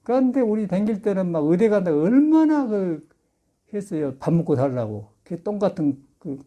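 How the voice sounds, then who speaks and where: In the temple's dharma hall, an elderly monk tells stories and laughs his way through a homey Sunday sermon. He has a high, dark-toned voice with lively intonation and speaks at normal speed.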